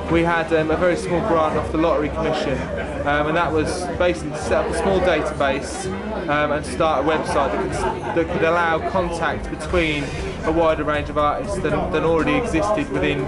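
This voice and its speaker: Hesitant young artist, fairly high voice. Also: male voice. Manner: hesitant, many ums. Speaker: artist and art graduate. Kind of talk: interview answers. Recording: loud music underneath.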